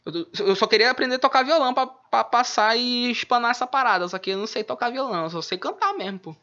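A man chats as a rapper guest in laid-back street slang. His voice is bright and forceful. The recording sounds dull and lo-fi. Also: very high voice, lively intonation, quick pace. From Manaus, Brazil. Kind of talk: casual interview chat. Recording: dull lo-fi audio.

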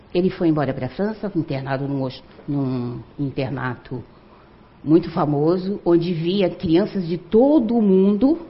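An older woman telling a story to an audience in an animated, conversational way. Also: on the low side. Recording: muffled lo-fi recording.

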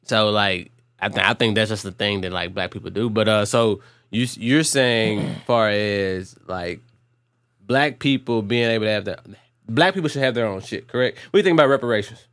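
A man's voice: on the low side, moderate pace, a bit bright, clean tone, no echo, studio quality. A man with an African American accent chatting casually, slangy and profane, joking and asking questions. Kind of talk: casual chat.

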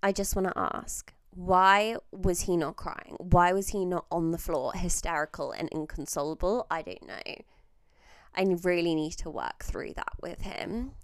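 A woman's voice: lowish voice, expressive, a little slow, no room sound, studio quality. A young woman with an Australian accent hosting a casual solo podcast, chatty and self-mocking, swearing freely while getting over a chest infection. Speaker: podcast host.

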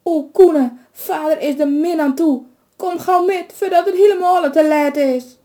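A woman doing a frantic, wailing old village woman. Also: measured pace. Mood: panicked. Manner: high, loud, tearful pleading.

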